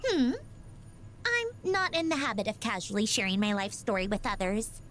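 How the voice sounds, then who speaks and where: A woman's voice: on the high side, very animated, moderate pace, background noise. An actress voicing a proud, ladylike young machine doll in a video game, with a prim, precisely worded delivery. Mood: exasperated. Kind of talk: scripted video game character voice lines. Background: music.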